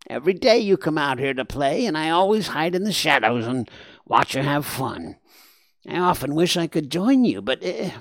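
Guy putting on a friendly warthog, nasal and spitty, pitched way up, storybook critter. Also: vocal fry, a bit bright, dry recording, exaggerated voice. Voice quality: nasal, slobbery. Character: friendly lonely male warthog, smelly, gentle.

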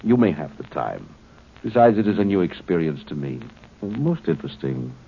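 A cold alien intelligence from a 1950s science fiction radio play. The voice is very low and swings expressively through formal, condescending phrases with smug amusement. The old recording is muffled, with faint noise. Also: male voice, very animated, normal speed, vocal fry, heavily acted. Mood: detached, amused. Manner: formal, smug, pedantic, coolly mocking. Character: cold superior alien of pure energy, condescending villain. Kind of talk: 1950s radio drama acting.

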